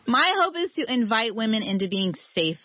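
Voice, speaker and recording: A woman's voice: fairly high pitch, very animated, a little fast, no echo, dull audio. A woman author talking earnestly about motherhood and faith in an interview, laughing often and speeding up when she lists ideas. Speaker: author guest. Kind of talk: faith-based interview conversation.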